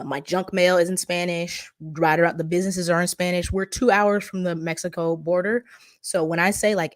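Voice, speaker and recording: A woman from the Bay Area with an African American Vernacular English accent, hosting a casual livestream and chatting with viewers, full of "like" fillers and animated asides. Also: lowish voice, no room sound, clean studio sound. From California Bay Area. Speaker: livestream host. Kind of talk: casual livestream chat, reading viewer comments.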